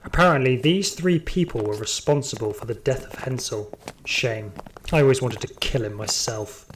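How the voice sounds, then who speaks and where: A man playing a sadistic, power-hungry security guard, narrating his story in an audio drama with deliberate menace. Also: medium pitch, slight background noise, close to an everyday voice, low-quality recording. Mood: cold satisfaction. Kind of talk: scripted first-person audio drama monologue. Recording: music behind the voice.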